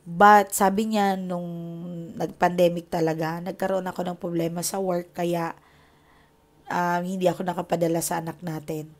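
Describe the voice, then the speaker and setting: A woman with a Filipino accent and a somewhat low voice tells her viewers a client's story in a relaxed, chatty way. She voices the quoted dialogue as she goes and mixes in English phrases. Her voice sometimes drops to a soft whisper. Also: normal speed. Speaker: tarot reader.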